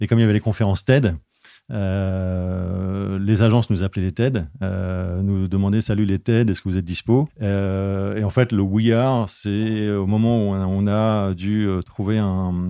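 This man talks at a fairly slow pace with a fairly low pitch and a dark, mellow tone. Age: 40s. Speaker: illustrator. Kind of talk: interview. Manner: halting, many hesitations.

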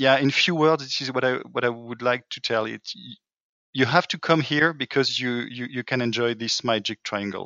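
A man speaks in a French accent at a medium pitch. His pace is moderate, with ordinary pitch variation. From southern France. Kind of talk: interview. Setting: video call.

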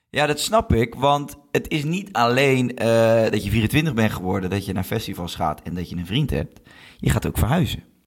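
A man talks at a moderate pace, his pitch swinging very widely and his voice showing vocal fry. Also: medium pitch for a man. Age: 30s. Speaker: podcast host. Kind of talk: casual interview chat. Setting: remote recording. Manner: hesitant, many filler sounds.

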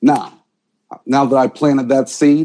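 A man with an American accent and medium pitch, over a quiet background. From Pittsburgh, Pennsylvania. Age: 40s. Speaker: Baptist minister. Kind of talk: sermon.

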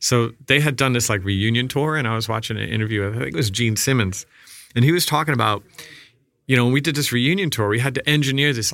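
A man with an American accent, medium pitch and a bright, sharp tone, speaking at a very fast pace. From US Northeast (Long Island, New York). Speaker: car club and restaurant owner. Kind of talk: casual interview chat.

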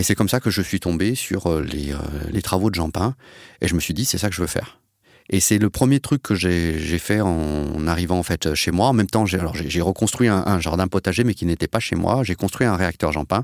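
In a very clean recording with a silent background and a dry, close sound with no echo, a man with a very deep, low pitch speaks at a moderate pace with ordinary pitch variation. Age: 40s. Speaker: home energy and food self-sufficiency experimenter. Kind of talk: interview. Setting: studio.

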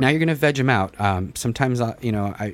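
This man has an ordinary speaking voice. His pitch variation is ordinary. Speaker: cannabis podcast host. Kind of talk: casual chat.

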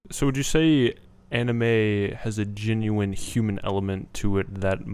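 Fairly low in pitch, this man has an unremarkable speaking voice. He talks at a moderate pace. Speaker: podcast host and college student. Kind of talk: casual interview conversation. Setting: indoor room.

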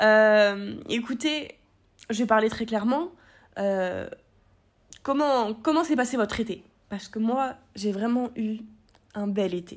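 Very slow and broken by long, frequent pauses, a woman's fairly high voice shows ordinary pitch variation on a very clean recording with a silent background. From southern France, near Nice. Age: 20s. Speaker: podcaster. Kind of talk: personal audio diary monologue. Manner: hesitant, many fillers.

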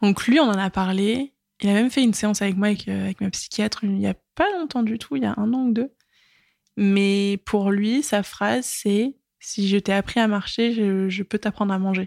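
A woman speaks at a medium pitch with ordinary pitch variation. The recording is very clean with a silent background, and the sound is dry and close with no echo. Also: moderate pace. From France, partly Lyon. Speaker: patient sharing experience. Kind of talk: testimony. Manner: casual, hesitant with fillers.

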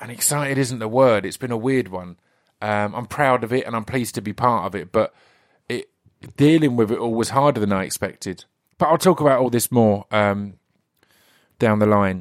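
A man with an English accent speaks at a moderate pace, his medium pitch moving with ordinary variation. He leaves long, frequent pauses, and the sound is dry and close with no echo. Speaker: podcast host. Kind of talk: casual chat. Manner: rambling, halting.

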